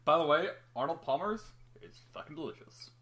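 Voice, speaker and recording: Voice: mid-range voice, expressive, fairly quick, fairly bright tone. A young adult reading a story aloud in an amateur, casual way, stumbling at times, teasing and swearing between passages. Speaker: reader of a story. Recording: noticeable background noise.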